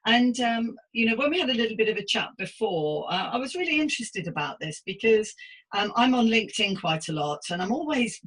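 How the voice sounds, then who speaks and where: A woman's voice: a little high, sing-song, a little fast, a bit bright, slightly rough, poor audio. A woman in her fifties hosting a casual interview, chatty, effusive and encouraging with her guest. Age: 50s. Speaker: podcast host interviewing a guest.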